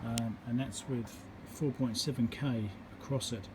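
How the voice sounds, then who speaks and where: Working at an indoor repair workbench, a man with a mid-range voice demonstrates fixing electronics, voicing his thoughts in a loose, halting, step-by-step way. Room noise and a steady hum sit in the background.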